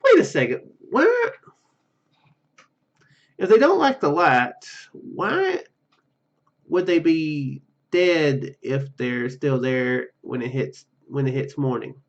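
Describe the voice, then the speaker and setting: A man with a somewhat high voice plays a story game on video. He reads the narration aloud with stumbles and casual asides. His sound is a bit dull and lo-fi. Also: very animated. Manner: halting, stumbling over words while reading. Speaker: gaming YouTuber. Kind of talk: reading visual novel narration aloud with casual commentary.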